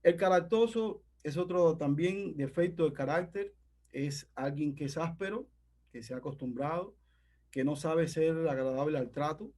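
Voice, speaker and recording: Male preacher, slightly raised pitch, emphatic sermon delivery, earnest, checks in with listeners. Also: moderate pace, a little mellow.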